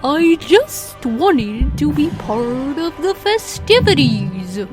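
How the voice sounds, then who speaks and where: Slow, swooping, high-voiced friendly whale. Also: female voice, sing-song, over music, exaggerated voice. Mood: wistful. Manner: slow, drawn-out, swooping speech. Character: friendly, lonely, playful giant whale.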